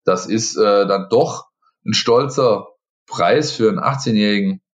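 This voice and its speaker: Deep-voiced male journalist. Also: measured pace, highs cut off. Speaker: journalist podcast host. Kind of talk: casual podcast discussion.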